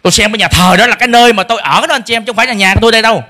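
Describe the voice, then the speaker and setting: A man's voice: sits high, racing, pushed and bright. A middle-aged man preaching a sermon as pastor, emphatic, acting out parents' complaints in a shifting voice. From Vietnam.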